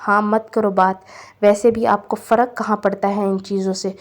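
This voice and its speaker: An ailing mother scolds her son in a read-aloud novel, voiced by a woman reader. Her voice stays flat and mid-pitched. She sounds demanding and reproachful. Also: natural voice.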